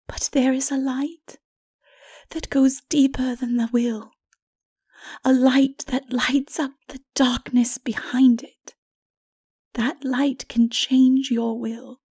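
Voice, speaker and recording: A woman voicing a sorrowful, righteous holy woman in a dark fantasy audiobook, breathy and often near a whisper, solemn and pleading. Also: high voice, heavily acted. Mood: solemn exhortation.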